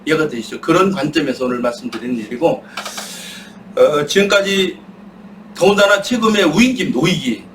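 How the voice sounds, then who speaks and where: A high-pitched middle-aged man holds forth on politics, firing off rhetorical questions and then answering them himself. His voice builds to emphatic outbursts. He is recorded from some distance, and a faint ambient hum runs underneath. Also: expressive, a little fast. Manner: emphatic, rising to shouts when worked up. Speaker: guest speaker. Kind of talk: impassioned political talk.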